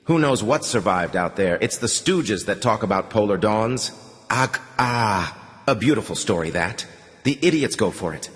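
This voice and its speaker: A man voicing a wary, cynical wounded prisoner who talks scornfully and haltingly, with groans. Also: lowish voice, expressive, in a large hall, lightly acted. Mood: weary scorn.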